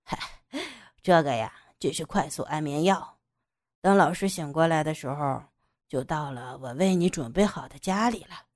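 A woman's voice: deep voice, moderate pace, darkish tone, voice pushed down, close to an everyday voice. Woman doing a sneering, menacing young man. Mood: mocking. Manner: mocking, threatening drawl.

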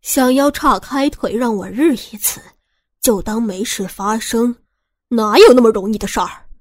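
A woman's voice: on the high side, a little slow, dry recording, studio quality. A woman voicing a cold, menacing man who sneers and threatens, in an audio story. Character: cold, menacing middle-aged man with a shotgun.

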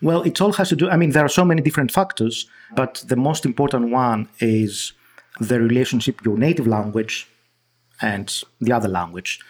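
Greek guy w/ husky voice, explains stuff, lots of ums and restarts. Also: mid-range voice, moderate pace. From Greece. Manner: hesitant, many restarts and fillers. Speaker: guest researcher. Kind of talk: interview.

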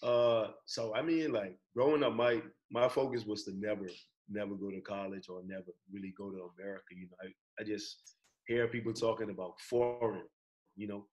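A young man from the Bahamas with a Bahamian accent, a guest in a casual interview over a video call, relaxed and laid-back, often saying "bro" and "you know". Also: on the low side, moderate pace, dull audio. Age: young adult. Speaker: guest, college athlete.

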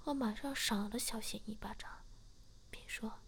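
A woman narrating a story in a steady, hushed whisper. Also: a little high, normal speed, creaky.

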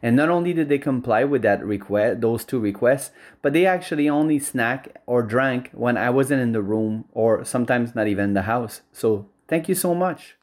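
Male priest, mid-pitched voice, measured home-video testimony. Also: expressive. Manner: measured, thoughtful, some restarts.

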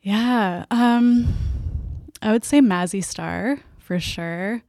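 Soft-spoken woman with a Canadian accent. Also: mid-range voice, very slow, no echo, studio quality. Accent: Canadian English. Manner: soft-spoken, laughs often, hesitant fillers. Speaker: band's lead vocalist and guitarist. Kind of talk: casual interview answers.

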